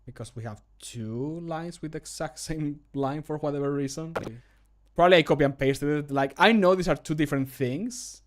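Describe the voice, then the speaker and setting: A man's voice: on the high side, moderate pace, a little hiss or hum. A man in his thirties, a native Spanish speaker, chatting casually and thinking aloud as he works on a livestream. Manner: self-deprecating, thinking aloud. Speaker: hobby modder and streamer recording voice lines. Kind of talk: casual livestream chat while working. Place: small home room, indoors.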